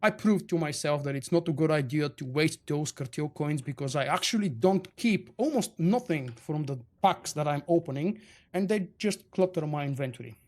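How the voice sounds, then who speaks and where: Bulgarian-accented male streamer, chatty, answers chat; voice a little high. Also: expressive, normal speed, darkish tone. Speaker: game streamer. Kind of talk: casual live-stream chat.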